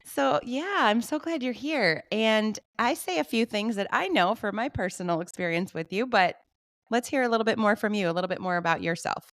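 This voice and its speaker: A woman's voice: mid-range voice, lively intonation, a little fast, a bit bright, dry recording, studio quality. A woman in her forties from Michigan hosting an interview podcast, upbeat and gushing, with frequent laughs. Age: 40s. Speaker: podcast host. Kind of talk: warm interview chat.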